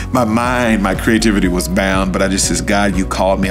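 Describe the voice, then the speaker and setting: Behind a man talking fairly quickly, clear music can be heard. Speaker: pastor. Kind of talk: devotional storytelling. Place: studio.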